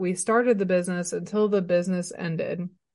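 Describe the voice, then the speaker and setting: A voice with an Arkansas accent comes across over a quiet background. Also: woman. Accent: Southern US (Arkansas). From South Arkansas, US South. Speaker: licensed counselor. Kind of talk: interview, personal testimony.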